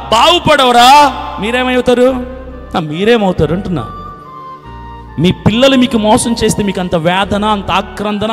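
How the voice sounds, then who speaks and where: A male preacher delivering a fiery, emphatic sermon, often shouting and repeating phrases. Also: sits high, big-room sound.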